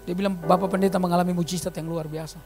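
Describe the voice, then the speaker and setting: A man in his fifties preaching a sermon in a church, telling stories and swinging from quiet asides to loud calls. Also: high-pitched, very fast. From eastern Indonesia. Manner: animated storytelling, swings from quiet to shouting. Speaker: pastor. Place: church hall. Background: music.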